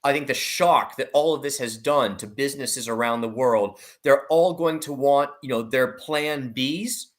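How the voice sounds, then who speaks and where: A man giving opinionated market commentary in an online discussion, emphatic and deliberate, laying out his points in lists. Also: medium pitch. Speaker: investment analyst guest.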